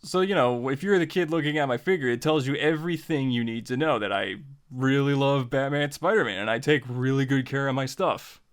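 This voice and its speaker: Male tutorial host, mid-pitched, conversational and informal, explaining casually and repeating himself for emphasis. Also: fairly quick, clean tone. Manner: informal, repeats phrases for emphasis, acts out example remarks. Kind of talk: casual, conversational writing lesson.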